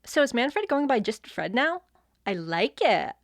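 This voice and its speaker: A woman's voice: on the high side, very animated, unhurried, dry recording, studio quality. A woman playing a breezy, theatrical schoolgirl in an audio drama comedy, chatty and slangy as she tells things dramatically. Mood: sassy. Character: breezy, theatrical teenage girl student, loves acting.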